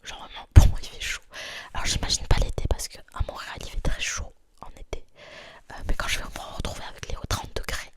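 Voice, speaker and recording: A woman from France, whispering a chatty ASMR vlog outdoors in the freezing cold. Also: brisk. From southern France. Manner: whispering throughout, chatty and self-deprecating. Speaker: vlogger.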